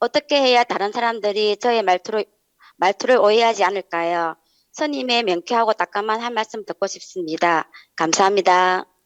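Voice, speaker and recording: A woman's medium-pitched voice with ordinary pitch variation and a strong Gyeongsang accent, dry and close with no echo. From Korea, Gyeongsang region. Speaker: counselor, audience questioner. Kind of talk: reading a prepared question. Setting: hall with audience. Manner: fast.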